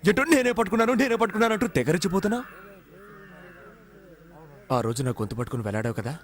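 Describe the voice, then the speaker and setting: An actor playing a sly young man held in jail, talking back in quick, streetwise film dialogue. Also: high voice, very animated. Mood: defiant. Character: cheeky jailed young man, sly and wounded. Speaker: film character.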